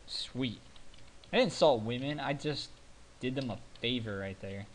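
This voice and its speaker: A man's voice: medium pitch, moderate pace, a little hiss or hum. Host type: American man, playful and rambling, keyboard clicks faint under him. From United States. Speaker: let's play host. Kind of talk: casual gameplay commentary.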